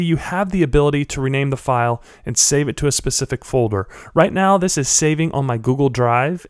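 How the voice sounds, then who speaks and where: A man's voice: mid-range voice, dry recording, clean studio sound. Stuffy-voiced young man walking through a tutorial. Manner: friendly step-by-step instructions to viewers. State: stuffy, getting over a cold. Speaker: blogger teaching a software tutorial. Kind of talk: screen-recorded tutorial voice-over.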